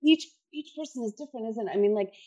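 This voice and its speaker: A middle-aged woman from New York City, an actor, chatting casually as a podcast guest, animated and quick to laugh, often restarting her sentences. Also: a little high. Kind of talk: casual chat.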